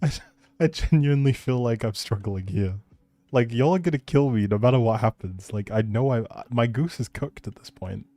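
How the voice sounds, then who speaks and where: Mellow-voiced man chatting on a livestream. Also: mid-range voice, normal speed, no echo. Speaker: live game streamer. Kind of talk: casual livestream chat with viewers.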